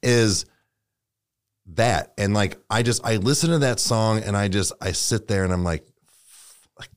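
A young man co-hosting a podcast, talking casually and haltingly, searching for words and swearing now and then. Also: lowish voice, clear, resonant tone. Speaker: podcast co-host.

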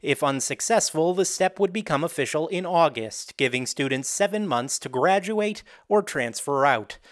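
A man's voice: a little high, animated, moderate pace, no room sound, clean studio sound. A man working as a radio reporter, reading a scripted news report.

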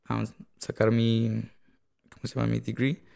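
A man with a US Latino Spanish accent and a gravelly, husky voice, chatting casually and telling anecdotes, slipping into English and often checking that the listener follows. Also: mid-range voice, flat delivery, moderate pace, darkish tone. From Latin American immigrant living in the United States. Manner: code-switches into English, often tags phrases with a questioning check.

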